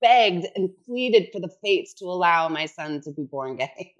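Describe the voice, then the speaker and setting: A middle-aged New York City actor with a fairly low voice chats casually as a guest on a podcast. She's animated and quick to laugh, and she often restarts her sentences.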